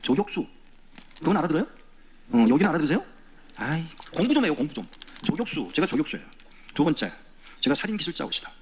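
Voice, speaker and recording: Blunt, animated male guest preacher. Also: a little high, fast, long pauses, a little hiss or hum. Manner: blunt, teasing the congregation; acts out quoted dialogue. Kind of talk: sermon. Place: church sanctuary.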